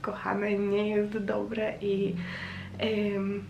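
A woman records a casual personal vlog in a roomy, echoing space with faint noise behind her. Her delivery is slow and reflective. She pauses often as she searches for words. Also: mid-range voice, completely flat delivery, creaky, highs cut off. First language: Polish. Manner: hesitant, pausing, reflective. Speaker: vlogger.

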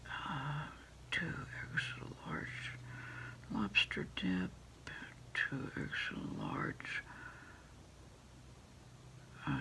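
A middle-aged American woman whispering an ASMR role-play as someone taking phone orders, unhurried and pausing as if listening to a caller. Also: a bass voice, gravelly, pushed and bright. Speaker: ASMR creator role-playing a food delivery order taker.

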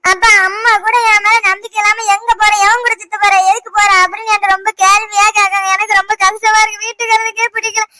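A woman's voice: very high voice, flat delivery, sharp tone, dry recording. A woman voicing a tearful young village daughter with a Tirunelveli Tamil accent, pleading in a cartoon. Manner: pleading, drawn-out crying speech. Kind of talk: animated cartoon voice acting.

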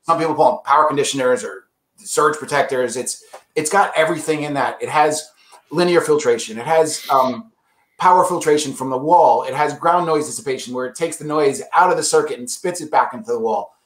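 A man's voice: medium pitch, fairly quick, a bit bright, roomy sound. A man representing an audio brand, casually explaining products in an enthusiastic, salesy way.

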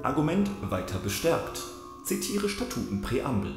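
A man's voice: medium pitch, sing-song, moderate pace, gravelly. A man playing a doctrinaire swarm machine in a science fiction radio play, declaring things formally. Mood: solemn, formal. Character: doctrinaire male-voiced machine quoting swarm statutes. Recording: reverberant hall sound with music.

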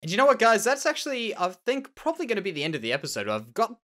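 High-voiced, sharp, and quick, the Australian host swings hugely in pitch during his casual Minecraft commentary. His delivery is nasal and slightly tender, full of musing and repeated words about his own building.

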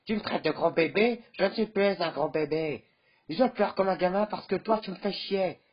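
A bratty teenage gamer boy with a high, piercing, whiny voice, as a man puts him on in a homemade parody dub. He throws insults and sulks like a crybaby. The recording is dull, lo-fi and husky. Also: moderate pace. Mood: whining.

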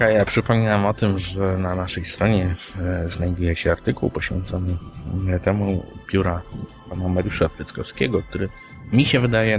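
A man from Poland hosting a podcast, presenting in a conversational way. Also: low-pitched. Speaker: podcast host. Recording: clear music under the voice. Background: background music.

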